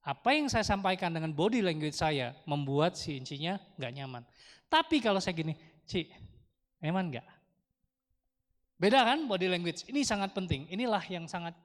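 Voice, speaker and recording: Lively man speaking in an echoing temple hall. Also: on the high side. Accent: Indonesian. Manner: lively, chatty, asks the audience questions. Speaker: Dharma talk speaker. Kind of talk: casual Dharma talk to a temple congregation. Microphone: handheld microphone through speakers. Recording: long hall reverb from speakers.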